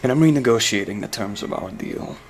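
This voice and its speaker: A man playing a grieving, brooding asylum director in a fan web drama, speaking in a halting, deliberate way. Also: deep voice, fairly even intonation, fairly bright tone, faint music behind. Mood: cold, menacing. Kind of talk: acted dramatic monologue in a fan web series. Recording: clearly noisy amateur recording with ambience.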